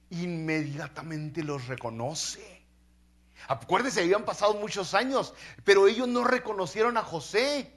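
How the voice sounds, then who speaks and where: A male pastor, retelling a Bible story in a lively, colloquial sermon full of slang. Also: fairly high pitch.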